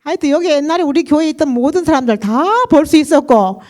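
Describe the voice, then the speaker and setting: A middle-aged woman with a Gyeongsang dialect tells her story to a church congregation, and her voice sits a little higher than most. She talks in a chatty, laughing way and slips into other people's voices as she goes. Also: animated, quick pace, warm tone. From Daegu region, South Korea. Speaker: church member giving testimony. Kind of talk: personal testimony to a congregation.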